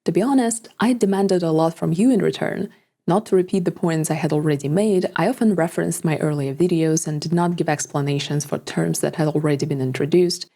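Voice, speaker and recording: A young woman narrates her own scripted video essay, calm and reflective. Her voice sits low and carries a gravelly fry, with a dark, mellow tone. English is not her first language. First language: neither English nor Japanese. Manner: measured, reflective, articulate.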